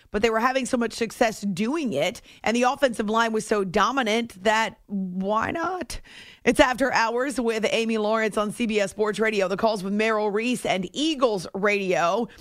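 A woman hosting a late-night sports radio show, talking through results in a chatty way with quick asides. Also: on the high side, no echo, clean studio sound. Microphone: studio microphone.

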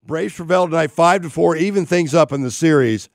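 A man with a raspy voice hosting a casual sports talk show, rambling through his game analysis. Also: a little high, brisk, no echo, clean studio sound.

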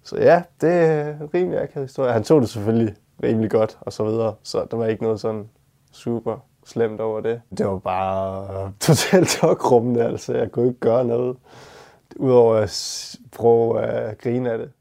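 A young man tells an awkward anecdote at a quick, hesitant clip, with plenty of fillers. His voice is gravelly and full of fry, with a mellow, dark tone. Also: mid-range voice. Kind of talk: casual anecdote.

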